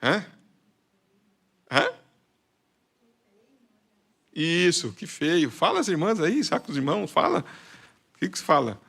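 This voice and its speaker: A man preaching in a church, his voice sitting a little high. He reads scripture slowly and with force, then turns to ask his congregation questions and calls on listeners by name. Loose, conversational sermon delivery between the readings. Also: very animated, vocal fry, a bit bright, husky. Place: church hall.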